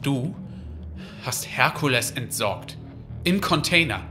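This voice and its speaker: A man's voice: medium pitch, animated, takes it slowly, music in the background. An actor playing a hurt, accusing man confronting his partner in an audio drama.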